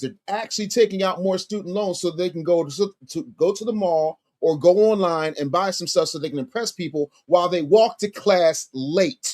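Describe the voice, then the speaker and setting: Recorded dry and close with no echo, a man speaks at a high pitch with lively intonation. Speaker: educator and public speaker on a discussion panel. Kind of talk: panel discussion.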